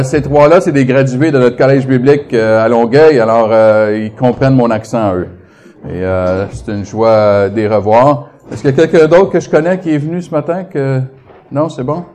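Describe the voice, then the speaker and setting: Man, fifties, Québécois accent, guest preacher, humorous and chatty, medium pitch. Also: a little mellow. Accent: Québécois French. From Quebec. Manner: humorous, chatty, joking with the congregation. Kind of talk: sermon.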